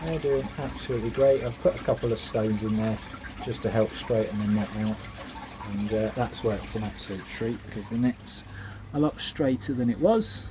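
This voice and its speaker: There's background noise as a man with a fairly low voice, speaking at normal speed, narrates a casual vlog by his garden pond. He keeps koi, and his talk is chatty and homely, with lots of fillers. Audio comes from a camera mic that moves between handheld and tripod use.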